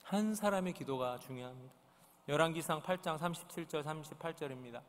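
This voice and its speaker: A high-voiced male pastor preaches to his congregation, earnest and searching, often turning his points into questions. His voice rings through a large church sanctuary with a long reverb trailing each phrase. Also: fairly quick. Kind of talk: sermon. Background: congregation present.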